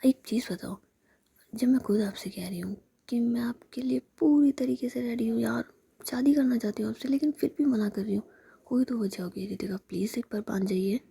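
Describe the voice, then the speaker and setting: A woman's voice: on the high side, normal speed, dark tone, full character voice. A woman voicing a bossy, pleading young female office boss in a whispered role-play story. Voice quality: breathy whisper.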